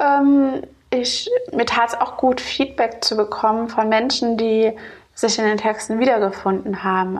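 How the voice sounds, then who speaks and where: Against noticeable background noise, a woman at fairly high pitch talks at a fairly slow pace with ordinary pitch variation. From Saxony-Anhalt, Germany. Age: 30s. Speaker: peer counselor. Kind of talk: personal testimony interview. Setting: sofa in a community center cafe. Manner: hesitant with many fillers.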